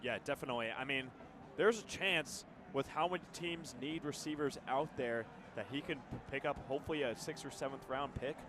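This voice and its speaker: American male color commentator, mid-pitched voice. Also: a little fast, noisy background. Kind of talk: live football radio analysis.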